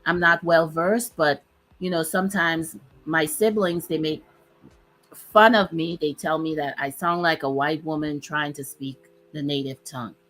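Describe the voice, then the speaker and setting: A chatty woman from Dominica with a lilt and a lowish voice. She talks easily in a relaxed chat, laughing often and slowing down to lean on key words. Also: low-quality recording. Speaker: host. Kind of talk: casual chat.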